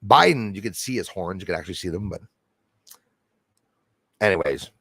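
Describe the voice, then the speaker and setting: A man's voice: deep voice, lively intonation, normal speed, creaky, bright, forceful tone, husky, no echo. A man hosting a livestream, talking casually to his chat in a meandering way, repeating himself and chuckling between thoughts. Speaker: livestream host reading chat. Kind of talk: rambling casual livestream talk.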